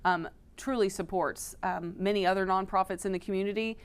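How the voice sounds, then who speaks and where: A woman's voice: medium pitch, fairly even intonation, fairly quick, smooth. A middle-aged woman from Florida, a foundation director, answering interview questions in a studio in a friendly, informative way with frequent "um" fillers. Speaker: foundation executive director, guest.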